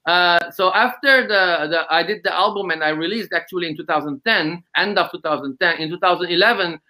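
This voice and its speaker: A man talks over a video call as a guest. His voice is bright and somewhat high, and he speaks hesitantly, full of ums and uhs. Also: brisk, poor audio. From Lebanon. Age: 30s. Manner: hesitant, many ums and uhs, laughs often. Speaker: guest musician. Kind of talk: casual interview.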